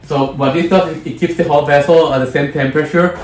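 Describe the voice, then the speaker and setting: A man with a Spanish accent talks quickly in a fairly high, steady voice while showing how to make candles. His casual tutorial is rambling and chatty, full of self-corrections, recorded in an echoey room with faint music.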